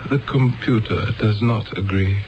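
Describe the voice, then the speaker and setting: A slow, solemn futuristic elder. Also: male voice, on the low side, noisy background. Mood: solemn, insistent. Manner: solemn, deliberate, paternal. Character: grave male elder of a serene future world. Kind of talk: 1970s radio drama acting. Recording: dull 1970s radio drama recording.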